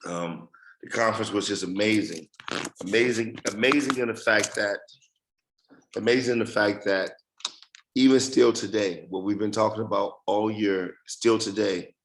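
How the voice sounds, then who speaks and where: A man's voice: lowish voice, fairly even intonation, moderate pace, slight background noise, poor audio. A man losing his voice, giving a rambling casual update to a team on a group call. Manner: rambling, repeats phrases. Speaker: project leader giving updates.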